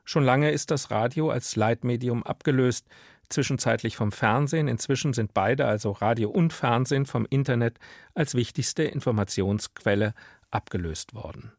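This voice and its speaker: Creaky-voiced man hosting a radio interview. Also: mid-range voice, normal speed, no room sound, studio quality. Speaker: radio host. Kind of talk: scripted studio interview moderation. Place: radio studio.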